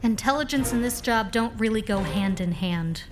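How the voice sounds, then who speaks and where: A woman's voice: mid-range voice, animated, over music, natural voice. An actress playing a brave young masked female vigilante in a pulp radio drama, determined and dryly witty. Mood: wry, determined. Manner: determined, dry wit, unhurried. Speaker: actor.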